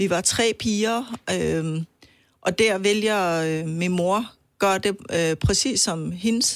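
A woman with a Persian accent at medium pitch, very slow pace and ordinary pitch variation, on a very clean recording with a silent background. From Iran. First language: Persian (speaking Danish). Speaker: social educator and refugee. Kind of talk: life story interview.

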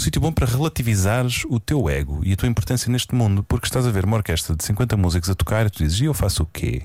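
A man with fairly low pitch and very wide pitch swings, somewhat breathy, at a very fast pace with hardly any pauses and very even loudness. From Portugal. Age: 20s. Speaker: orchestra conductor. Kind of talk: casual radio interview.

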